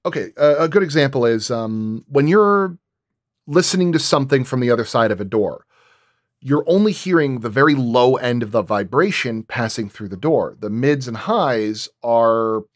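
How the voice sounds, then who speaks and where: A man's voice: medium pitch, animated, moderate pace. A man who works as a sound designer, talking casually at a roundtable and explaining his craft with examples, often thinking aloud as he goes.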